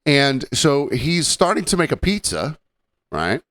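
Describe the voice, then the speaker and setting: A man with a mild Southern accent hosting a podcast, rambling casually, joking and slipping into quick impressions. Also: medium pitch, sing-song, a bit bright, no room sound. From Southern United States. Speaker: podcast host.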